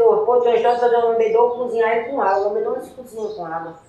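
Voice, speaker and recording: A woman speaks very fast at a fairly high pitch with fairly even intonation, amid noticeable background noise. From Pernambuco, Brazil (Zona da Mata Norte). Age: 60s. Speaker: farmer and traditional healer. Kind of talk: interview.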